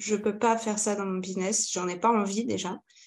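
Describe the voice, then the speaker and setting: Here is a woman with an unremarkable speaking voice and medium pitch. Her intonation stays fairly even at a moderate pace. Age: 20s. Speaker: business mentor. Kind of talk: casual chat.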